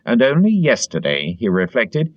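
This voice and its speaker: A man reading literary narration as an audiobook narrator, in a dramatic, expressive way. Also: mid-range voice, moderate pace, no echo, highs cut off.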